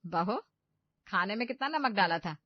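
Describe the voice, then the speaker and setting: Shrill scolding mother-in-law, voiced by a woman. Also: fairly even intonation, brisk, no echo, natural voice. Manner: scolding, loud and sharp. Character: strict shouting middle-aged mother-in-law. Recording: dull lo-fi dry recording.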